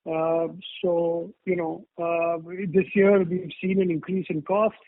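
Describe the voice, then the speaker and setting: Higher-voiced Indian man on phone line. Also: little pitch movement, dry recording. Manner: measured, hesitant, careful. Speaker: company executive. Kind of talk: answering questions on an earnings call. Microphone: telephone conference line. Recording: tinny narrow phone line.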